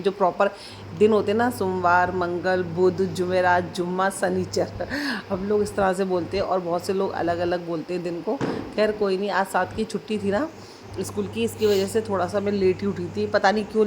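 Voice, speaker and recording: A woman from India chatting in a casual daily vlog, warmly addressing her viewers as friends. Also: lowish voice, a little hiss or hum. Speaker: vlogger.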